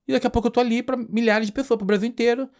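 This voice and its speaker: Fast-talking Brazilian man telling stories. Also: extremely high pitch. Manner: animated, laughing, acts out scenes. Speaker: podcast guest, comic actor. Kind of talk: casual anecdotal storytelling.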